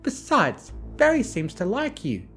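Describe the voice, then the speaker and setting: A gentle young female cartoon pony, acted by a narrator, pitched high and very lively. She is earnest and protective, told in an audio story over music. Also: a little slow. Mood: chiding. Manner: soft-hearted, earnest, chiding.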